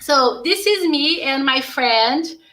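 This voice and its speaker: In a Portuguese accent, a woman with a high pitch and a bright, sharp tone speaks very slowly in a raised, projected voice with lively intonation. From Brazil. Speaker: English teacher. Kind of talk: online live class. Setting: live stream. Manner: halting, many fillers.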